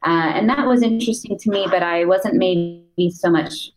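A woman from the United States is a guest on a podcast, and her voice sits very low for a woman. She talks through her career in a relaxed, matter-of-fact way, often pausing on an um. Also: rough recording. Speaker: podcast guest, voice interface designer. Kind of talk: interview answers, career story.

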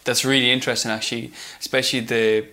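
A man's voice: mid-range voice, little pitch movement, quick pace, sharp tone. A man with an Irish accent chats casually as he interviews a guest.

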